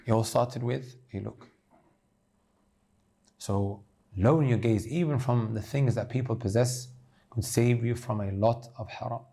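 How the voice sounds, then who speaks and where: Dark-voiced man preaching a sermon. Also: medium pitch, unhurried, creaky, long pauses. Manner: earnest, addresses listeners as brothers and sisters.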